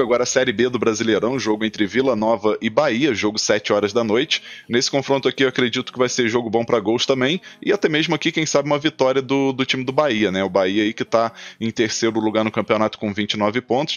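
A young Brazilian man with a Brazilian Portuguese accent, casually running through football match previews and betting picks, often tagging sentences with a quick question. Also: medium pitch, no echo, highs cut off. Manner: frequent tag questions, steady rundown of stats and picks. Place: small indoor room.

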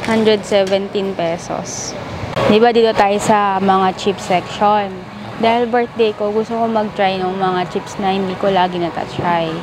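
A woman's voice: medium pitch, fairly even intonation, unhurried. Chatty young woman vlogging in a supermarket. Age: young adult. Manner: chatty, reads out prices and product names. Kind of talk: casual vlog narration while shopping. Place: large air-conditioned supermarket. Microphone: handheld camera at arm's length. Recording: noisy store ambience.

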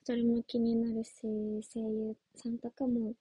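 A woman's voice: a little high, monotone, measured pace, slightly rough, no room sound, lo-fi sound. A young woman chatting casually on a livestream as an idol trainee, giggly and playful as she answers viewer comments. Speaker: idol trainee streaming live.

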